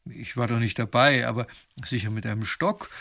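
A man's voice: mid-range voice, moderate pace, creaky, bright, forceful tone. A man voicing a simple, eager palace guard in a storybook. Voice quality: naive, eager.

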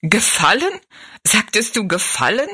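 A woman's voice: fairly low pitch, normal speed, sharp tone. A woman voicing a tired, bitter young kitchen maid who speaks bluntly and complains in a storybook reading. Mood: weary.

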